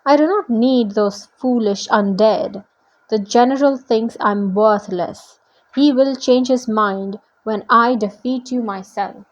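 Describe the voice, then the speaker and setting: A woman's voice: fairly high pitch, slow pace, lo-fi sound. A woman voicing a bitter, grandiose male manticore villain in a storybook, drawn out and menacing. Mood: scornful.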